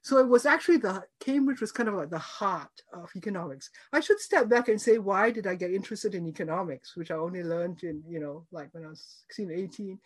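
A woman's voice: mid-range voice, animated, brisk, few pauses, breathy edge. Chatty older woman recalling her past. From Singapore. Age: 70s. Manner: chatty and reflective, many fillers, frequent light laughter. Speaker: interview guest. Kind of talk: conversational interview answers.

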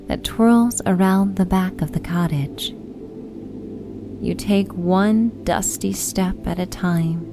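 A woman narrating a bedtime sleep story in a soothing, hushed, unhurried manner. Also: on the low side. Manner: soothing, hushed, unhurried guided relaxation delivery.

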